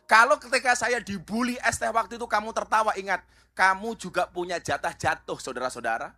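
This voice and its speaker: A middle-aged man with a Javanese accent preaching a sermon, animated, asking the crowd rhetorical questions. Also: high-pitched, fairly quick.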